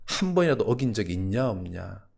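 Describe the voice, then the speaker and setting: A deep, unhurried God figure voiced by a man questions his listener in a calm, measured voice. The tone has a gravelly edge, and each question is drawn out and deliberate. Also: full character voice. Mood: calm rebuke. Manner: slow, low, measured questioning. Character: God, a male deity calmly rebuking a pastor.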